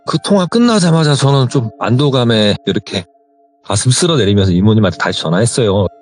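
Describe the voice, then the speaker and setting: A man's voice: medium pitch, a little fast, faint music behind. A man recounting his own true ghost story as a guest, acting out the dialogue he quotes. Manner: animated, acts out quoted dialogue.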